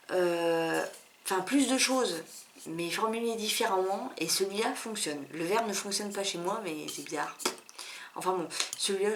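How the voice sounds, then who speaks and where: A woman in a casual product-review vlog talks at an everyday middle pitch, chatty and candid, with plenty of fillers and little asides to her viewers. A faint hiss sits under the recording. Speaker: beauty vlogger.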